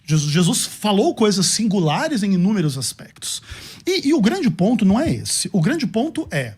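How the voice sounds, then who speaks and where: A man giving a measured, formal rebuttal in a theological debate. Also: high voice, very animated, darkish tone, husky.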